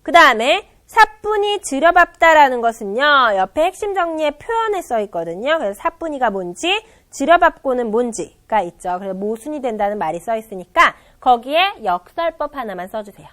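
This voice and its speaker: A woman's voice: high voice, big pitch swings, normal speed, few pauses, fairly bright tone. A woman teaching a recorded exam-prep lecture, explaining with acted-out examples and repetition.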